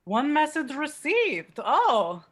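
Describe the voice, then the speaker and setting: Comedy table read: female actor as eager vampire, bossy, raised pitch, lively swings. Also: slow pace, full character voice. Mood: curious. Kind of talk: video-call table read of a comedy film script. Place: remote video-call reading.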